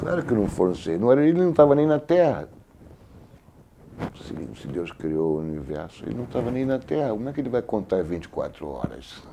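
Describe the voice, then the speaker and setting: Moving at a fairly quick pace, the voice shows very wide pitch swings, big swings in loudness and long, frequent pauses. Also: man, medium pitch for a man. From Brazil, Rio de Janeiro. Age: 60s. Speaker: musician, bass player. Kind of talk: oral history interview. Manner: animated, conversational.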